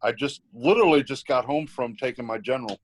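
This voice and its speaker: A man's voice: medium pitch, fast talker, no room sound, low-quality recording. Eager man in a dry, close recording. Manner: eager, enthusiastic. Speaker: newly tested amateur radio hobbyist. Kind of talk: casual chat.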